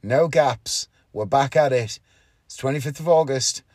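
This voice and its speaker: A man's voice: mid-range voice, a little slow, darkish tone, dry recording, studio quality. A man, talking casually and candidly on his solo podcast from inside a parked car, often correcting himself. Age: 30s. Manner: rambling, candid, self-correcting. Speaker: podcast host, magician.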